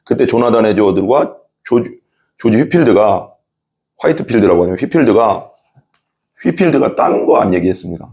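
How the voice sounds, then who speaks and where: Gravelly-voiced male pastor preaching. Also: fairly low pitch, expressive, normal speed, a little mellow. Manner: earnest, conversational storytelling, emphatic repetition. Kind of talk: sermon. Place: church.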